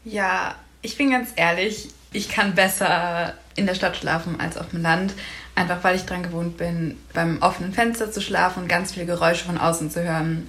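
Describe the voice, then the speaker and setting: A woman's voice: lowish voice, fairly bright tone. A nineteen-year-old woman from Berlin, talking frankly and easily in a casual podcast discussion. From Berlin, Germany. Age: young adult. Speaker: podcast volunteer.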